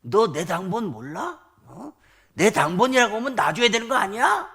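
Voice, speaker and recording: A man voicing a domineering middle-aged army division commander who scolds and shouts at an officer. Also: medium pitch, big pitch swings, a little slow. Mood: furious.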